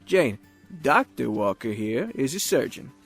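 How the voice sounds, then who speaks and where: A man's voice: medium pitch, sing-song, measured pace, breathy edge, soft background music, heavily acted. An actor playing an upbeat, well-meaning man with a casual, breezy manner in an audio drama. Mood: cheerful. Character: upbeat, well-meaning male colleague and friend.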